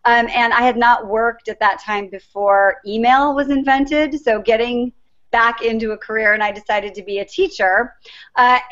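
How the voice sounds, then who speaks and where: A middle-aged woman, a life coach, tells her personal story earnestly as an interview guest. Her voice is on the high side with a fairly bright tone, heard through a dull lo-fi recording.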